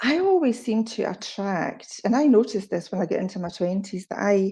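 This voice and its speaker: A somewhat breathy voice in a Scottish accent, with a dark, mellow tone, a moderate pace, and ordinary pitch variation. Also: woman. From Scotland, Edinburgh. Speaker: interview guest. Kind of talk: interview, personal story.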